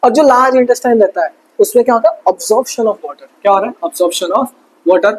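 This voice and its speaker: Breathy man quizzing through a revision lesson. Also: extremely high pitch, poor audio. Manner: quizzes himself with quick call-and-response questions; casual, chatty teaching with mnemonic tricks. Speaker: science tutor.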